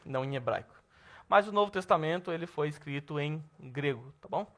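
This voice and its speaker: A Brazilian man teaching a Bible class at church, lively and asking the class questions. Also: a little high, fairly quick. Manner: lively, asks the class questions, says "tá bom?" often.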